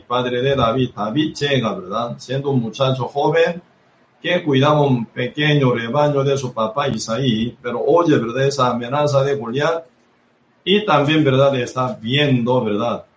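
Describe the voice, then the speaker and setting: A man preaching a sermon in language Bible teaching style, halting and repetitive, tagging nearly every phrase with a soft "¿verdad?". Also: mid-range voice. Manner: constant tag question "¿verdad?" dropping soft after each phrase. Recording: echoey room with faint ambient noise.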